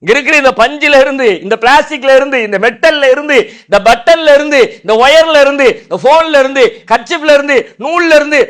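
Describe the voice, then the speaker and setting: A man preaching from a stage podium, chanting scripture verses slowly and then explaining them in everyday speech. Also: very high-pitched, a bit bright. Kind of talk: Islamic sermon on a stage. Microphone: podium microphone.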